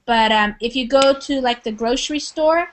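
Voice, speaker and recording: A woman running a relaxed online English lesson, her voice sitting a little higher than most. She keeps drawing students out with question after question and warm encouragement. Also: moderate pace, slight background noise. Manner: encouraging, asks many questions. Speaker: English teacher. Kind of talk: online group class.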